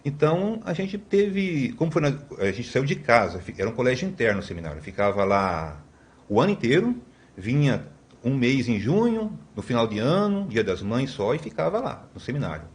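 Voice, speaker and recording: A man's voice: medium pitch, very animated, normal speed. A man in his fifties from Brazil, a podcast guest telling long stories in a rambling way, with many tag questions and restarts. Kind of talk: conversational storytelling.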